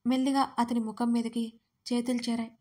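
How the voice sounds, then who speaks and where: A woman narrates a serialized audio story and voices every part. Her voice sits a little high and stays fairly flat, in a steady, even read. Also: a little fast.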